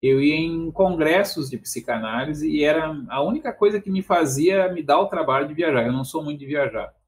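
A man's voice: a little high, lively intonation, a little fast. A man in his fifties with a Porto Alegre accent, rambling and chuckling on a video call with a headset, often adding tag questions. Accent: Porto Alegre Brazilian Portuguese. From southern Brazil. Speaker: guest in a debate. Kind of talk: casual video call conversation.

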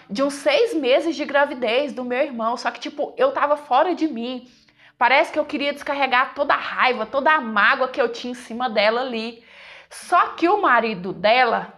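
Woman w a high voice telling a dramatic personal story, emotional, chatty, talks right to the listeners. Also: a bit bright. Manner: emotional, conversational, addresses listeners.

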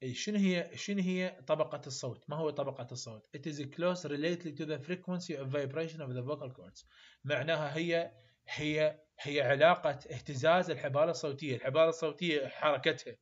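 A man's voice: on the high side, moderate pace. A man with an Iraqi accent tutoring university English, who repeats his points emphatically and drops English terms into his explanations. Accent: Iraqi Arabic. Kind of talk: lecture explaining phonetics. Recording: dull lo-fi recording.

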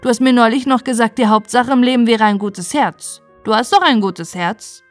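A woman's voice: a little high, moderate pace, dry recording, soft background music, lightly acted. A woman voicing a bold young boy who speaks in a reproachful, outspoken way.

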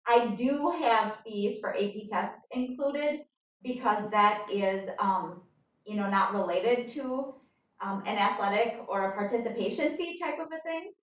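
A woman on district staff explaining budget figures at a school board meeting, careful and hedging, with many pauses and ums, heard over a video call. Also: medium pitch. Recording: echoey distant video-call audio.

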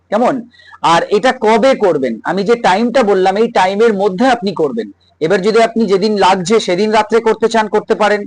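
High-voiced Bengali man explaining rituals. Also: no room sound, poor audio. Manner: explains patiently, checks in with listeners. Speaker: reiki teacher. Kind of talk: spiritual advice talk.

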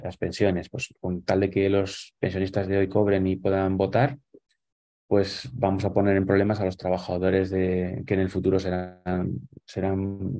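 Guy in his 40s, deep and mellow, lots of ehs and restarts, webcam call. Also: vocal fry. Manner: thoughtful, explaining with many fillers and restarts. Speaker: guest. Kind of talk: casual conversation on a video call. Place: small room at home. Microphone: webcam on a video call.

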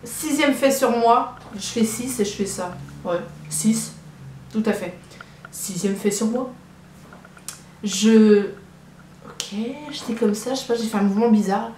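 A woman's voice: a little high, unhurried, pauses often, darkish tone. Young woman chatting to camera, kinda rambly and repeats herself, roomy sound w background noise. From Brittany, France. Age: early 20s. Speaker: vlogger presenting herself. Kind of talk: casual chat to camera. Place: small living room at home, indoors. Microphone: compact camera on tripod, about a metre away. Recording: echoey room, clear background noise.

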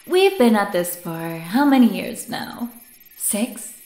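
A woman's voice: mid-range voice, sing-song, slow, a little mellow. A woman playing a condescending, wordy scientist in an audio drama, with theatrical delivery. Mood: brisk, impatient. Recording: roomy, echoing sound.

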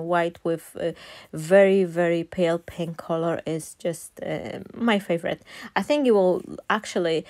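A woman's voice: on the low side, darkish tone. A woman in her thirties from Poland with a Polish accent, talking through a card-making tutorial in an enthusiastic, chatty way with many fillers and restarts. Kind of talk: chatty craft tutorial voice-over.

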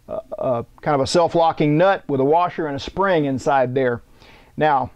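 On the high side and somewhat dark in tone, a middle-aged man's voice leads a welding tutorial in a small workshop. He's blunt and folksy, working the machine as he demonstrates.

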